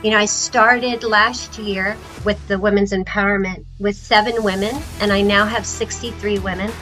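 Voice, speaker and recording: Bright-voiced, enthusiastic woman guest. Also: mid-range voice, fairly even intonation, moderate pace, soft background music, rough recording. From Maryland, USA. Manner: enthusiastic, chatty with fillers. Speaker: podcast guest. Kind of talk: casual interview chat. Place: video call from Costa Rica. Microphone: video call.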